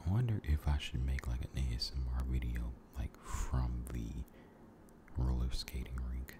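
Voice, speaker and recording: Over noticeable background noise, a man speaks in a very deep, low pitch. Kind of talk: soft ASMR-style casual chat. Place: home room. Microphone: studio mic.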